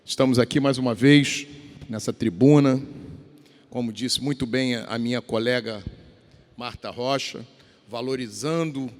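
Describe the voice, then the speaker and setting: A man in his fifties with a Carioca accent from Rio de Janeiro, giving a formal speech as a state deputy, rambling and restarting his words. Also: medium pitch. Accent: Carioca Portuguese. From Rio de Janeiro, Brazil. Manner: rambling, repeats and restarts words, addresses colleagues. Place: large legislative chamber. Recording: long reverb of a large hall.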